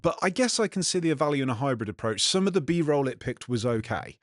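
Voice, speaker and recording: A man's voice: medium pitch, expressive, fast, no echo, studio quality. Man with a nasal Black Country accent. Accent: Black Country English. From England, West Midlands. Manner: sardonic, irritated grumbling. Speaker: vlog host, software developer. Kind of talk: casual vlog commentary.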